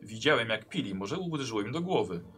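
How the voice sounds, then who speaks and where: A man's voice: mid-range voice, lively intonation, fast, fairly bright tone, natural voice. A man playing a wary road warden. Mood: defensive. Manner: guarded, placating.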